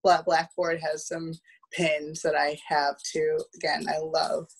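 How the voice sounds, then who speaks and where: A woman's voice: sits low, completely flat delivery, slow pace, slightly rough. A woman in her thirties chatting casually as a guest on a video call, stammering on the first syllables of words. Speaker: guest, theatre producer. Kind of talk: casual chat. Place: home room, on a video call. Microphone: video call, wearing headphones.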